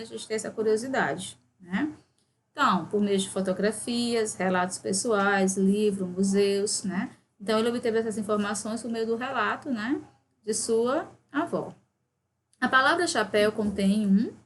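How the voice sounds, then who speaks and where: A woman's voice: on the high side, slight background noise. Brazilian woman teaching a grammar lesson. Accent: Brazilian Portuguese. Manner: reads exercises aloud, explains with frequent "né?" tags. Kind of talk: recorded grammar lesson for seventh grade.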